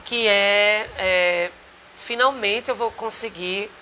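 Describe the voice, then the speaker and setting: Bright high-voiced Potiguar man. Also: slow pace, a little hiss or hum. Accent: Potiguar Brazilian Portuguese. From Rio Grande do Norte, Brazil. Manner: earnest, rambling, many restarts. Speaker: singer and actor guest. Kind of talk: casual interview chat. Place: bar.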